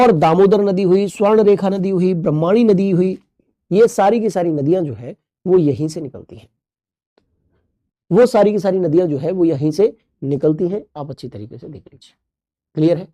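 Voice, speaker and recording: A man's voice: high-pitched, brisk, warm tone, no echo. A male teacher giving a recorded class, playful, repeating key terms and asking the class questions. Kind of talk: recorded online class lecture.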